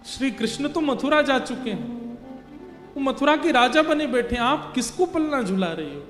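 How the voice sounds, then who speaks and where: A man voicing a gentle male devotee messenger who speaks softly and earnestly. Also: very high voice, lively intonation, moderate pace. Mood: tender. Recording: echoey hall with faint music.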